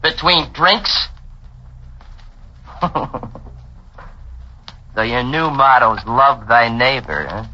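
An actor playing a hard-drinking, mocking private detective in a 1940s radio drama, recorded on a dull old broadcast. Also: male voice, mid-range voice, expressive, drawn-out words, long pauses, pushed and bright, exaggerated voice. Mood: taunting. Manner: mocking, swings from drawling to tense. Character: hard-drinking sardonic male snoop, menacing.

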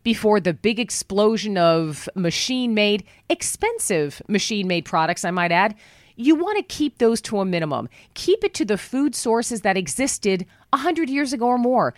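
A woman hosting a talk radio show from a studio, chatting in a folksy, upbeat way, her voice worn low after travel. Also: lively intonation, moderate pace, no room sound. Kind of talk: talk radio monologue with live ad reads. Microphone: studio microphone.

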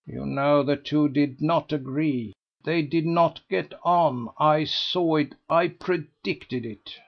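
A man voicing an excitable, gossipy older society lady who gushes and pleads breathlessly. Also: on the high side, slow, vocal fry, lo-fi sound, voice pushed up, heavily acted. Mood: knowing.

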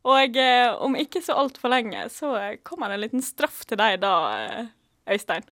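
A woman hosting a word quiz on student radio in casual, playful chat with frequent filler pauses. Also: a little high, animated. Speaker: quiz host. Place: radio studio.

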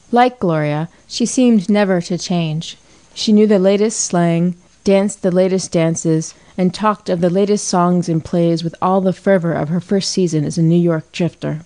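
Calm woman audiobook narrator, low and mellow. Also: normal speed. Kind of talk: scripted narration.

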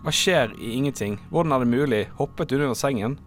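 A man's voice: mid-range voice, a little hiss or hum, lightly acted. A man reading the part of a worried mother asking doctors about her daughter. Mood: anxious. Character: worried mother of a sick girl.

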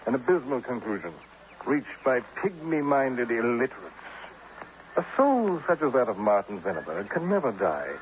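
A man's voice: mid-range voice, very animated, moderate pace, natural voice. A man playing a pompous, florid park eccentric. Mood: grandiloquent. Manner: grandiloquent, theatrical vocabulary. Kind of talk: 1950s radio drama acting. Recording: dull old radio transcription, faint hiss.

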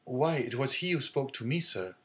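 A man's voice: medium pitch, expressive, normal speed, lightly acted. A man voicing a polite, earnest young male ship's mate.

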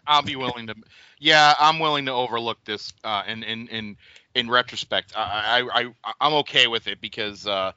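A man co-hosting a podcast, jokey and quick with asides, in casual chat. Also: mid-range voice, pushed and bright, smooth, no echo, highs cut off. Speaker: podcast co-host. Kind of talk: casual chat about wrestling.

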